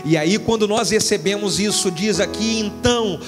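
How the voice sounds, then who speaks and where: High-voiced Brazilian pastor preaching fervently. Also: male voice, moderate pace, music in the background. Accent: Brazilian Portuguese. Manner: fervent preaching, swelling into shouts. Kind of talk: sermon. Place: large church hall. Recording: church hall with long reverb.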